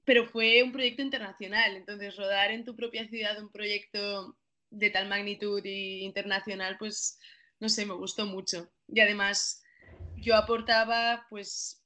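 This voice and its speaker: A woman's voice: mid-range voice, level tone, measured pace, pushed and bright. A woman in her twenties from Catalonia with a Spanish-from-Spain accent, chatting as an actress guest in an interview, apologetic and self-deprecating. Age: 20s. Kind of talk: casual interview.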